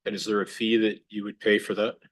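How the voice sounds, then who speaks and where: A man speaks as a city councillor in a fairly low voice. He asks calm, polite questions at a council meeting. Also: brisk.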